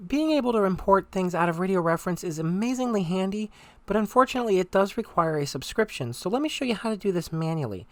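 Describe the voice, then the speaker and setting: With no room sound, a presenter in a mid-range voice gives conversational, instructional narration for a software tutorial, moving through it step by step.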